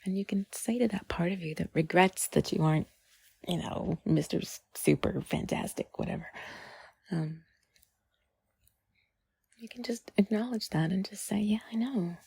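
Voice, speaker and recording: A woman giving intimate whispered comfort talk, soothing and gently reassuring, in a breathy, husky whisper with drawn-out pauses. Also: mid-range voice, no echo. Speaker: audio creator speaking to the listener.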